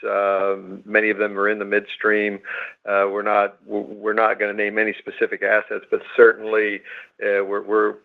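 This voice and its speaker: A man's voice: on the low side, monotone, normal speed, creaky. A man, a company executive, giving guarded answers on a conference call. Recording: tinny phone line.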